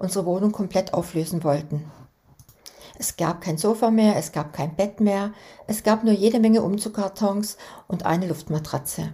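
Her voice is somewhat breathy, with a dark, mellow tone. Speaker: podcast host. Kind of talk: interview. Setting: video call from a near-empty flat. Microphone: laptop mic, voice sounds hollow.

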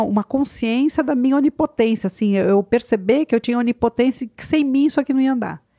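A woman's high-pitched voice, dark and mellow in tone, at a fairly quick pace. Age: 50s. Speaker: psychologist and entrepreneur. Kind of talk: stage talk. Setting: stage with audience.

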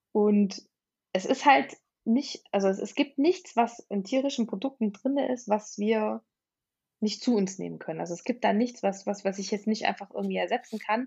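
A somewhat breathy, fairly high female voice at a moderate pace, with ordinary pitch variation. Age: 30s. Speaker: vegan nutrition course instructor. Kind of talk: interview.

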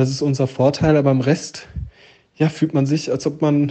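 A man is speaking. His pace is fairly slow. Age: young. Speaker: young media professional. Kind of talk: interview answers.

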